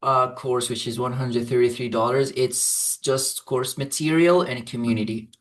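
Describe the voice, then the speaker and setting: Answering interview questions at a normal speed, a Saudi-raised man with Arabic as his first language, a program client who teaches English, speaks in a steady, mid-range voice. He is far from the mic and hesitant, with many fillers and restarts.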